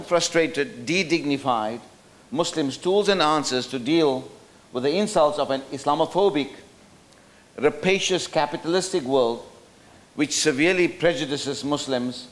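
Middle aged south african guy at a podium mic, lots of ums, thinking it through. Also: on the high side. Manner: thoughtful, hesitant, many fillers and restarts. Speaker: speaker at a roundtable. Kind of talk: lecture with slides. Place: hotel function room. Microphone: podium microphone.

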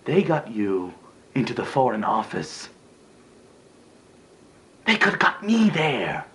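In a dramatic stage monologue, a man plays a bitter, jealous older brother, sarcastic and emotional, shifting between hushed lines and outbursts. His voice is on the low side and very animated, at a normal speed, and here he erupts in anger.

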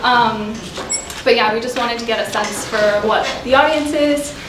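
A woman's voice: a little high, moderate pace. A young woman moderating a panel discussion, friendly and full of "um"s. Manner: friendly, with frequent "um"s. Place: lecture room with whiteboards. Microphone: room mic from a distance. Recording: echoey room, distant mic, noisy.

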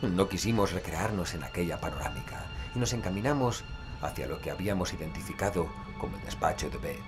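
Horror audio-series investigator, skeptical storyteller, low voice, music underneath. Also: male voice, animated, fairly quick. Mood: grave, ominous. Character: male investigator narrating a horror tale, skeptical. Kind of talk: dramatic audio-fiction narration and dialogue.

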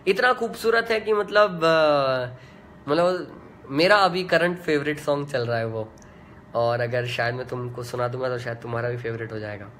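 A young man, a singer, chatting casually in a fan live chat, reading out comments in a relaxed way with many fillers. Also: mid-range voice, normal speed, a little hiss or hum. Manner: laid-back and chatty, full of "yaar" and "matlab" fillers.

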